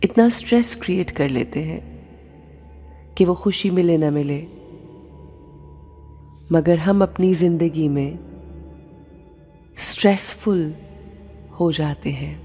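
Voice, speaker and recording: Leading a meditation, a woman speaks very slowly and in measured short phrases separated by long pauses. Her low voice is mellow, breathy, and soft. Long reverb surrounds her, and a music bed plays underneath.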